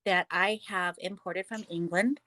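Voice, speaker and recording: A woman's voice: fairly low pitch, steady tone, unhurried, pushed and bright, no room sound. A woman from Wisconsin with a Wisconsin accent, answering interview questions about her cat cafe in a plainspoken, matter-of-fact way with dry humor.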